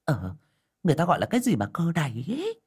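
A scornful village gossip sneers and rattles off rumors in a raised, lively voice, as a man narrator puts her on. The tone stays husky throughout. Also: a little high, fast talker, pitched above the performer's own voice, full character voice. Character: gossiping village woman, scornful and know-it-all.

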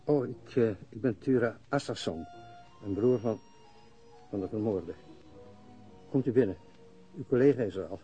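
A man playing a nervous, apologetic brother-in-law in a radio drama, hesitant and soothing, with a husky voice. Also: on the low side, normal speed, pauses often, dark tone, muffled recording, soft background music, lightly acted. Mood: polite.

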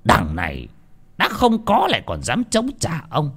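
A man's voice: mid-range voice, huge pitch swings, unhurried, a bit bright, slightly rough, pitched above the performer's own voice, exaggerated voice. A man voicing a cruel, greedy older village chief who barks with contempt. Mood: menacing scorn. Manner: barking, contemptuous.

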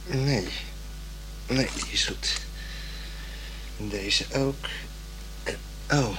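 An actor playing an unhurried young working-class repairman in a Dutch radio play, laconic, colloquial and mildly put-upon. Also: mid-range voice. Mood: absorbed, muttering. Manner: laconic, colloquial, placating, hesitant. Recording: noisy, clicking radio play recording.

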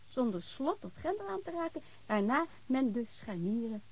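Excitable woman, radio drama, chatty, eager, animated intonation, slightly husky. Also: on the high side, normal speed, heavily acted. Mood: eager, explaining. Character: lively, eager woman, keen reader of detective novels. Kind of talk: naturalistic Dutch radio drama acting.

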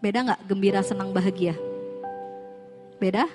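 A woman giving an Islamic parenting talk to parents, animated, asking the audience questions and acting out quoted speech. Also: medium pitch, normal speed, music in the background. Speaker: parenting seminar speaker.

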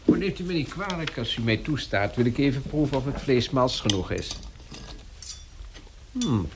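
An actor in a radio play playing a pompous, overly polite gentleman lodger with a formal, mannered delivery. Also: medium pitch, animated, normal speed, noisy background, lightly acted.

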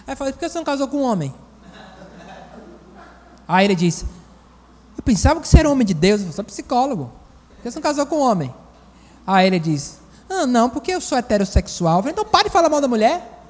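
A man preaching a sermon as pastor and psychologist, lively and acting out the voices he quotes. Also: very high-pitched, fast talker, pauses often, long reverb tail. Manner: animated, acts out quoted voices.

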